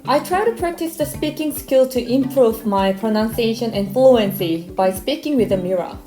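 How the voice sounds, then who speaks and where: A woman's voice: fairly high pitch, animated, moderate pace, reverberant, over music. Chatty Korean-accented young woman vlogger. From South Korea. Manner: chatty, self-deprecating. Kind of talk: casual vlog talk.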